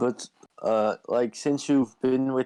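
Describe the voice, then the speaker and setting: In a Dutch accent, a man speaks at a fairly slow pace with a dark, mellow tone and fairly even intonation, the sound dry and close with no echo. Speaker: dota player being coached. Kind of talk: coaching session. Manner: halting.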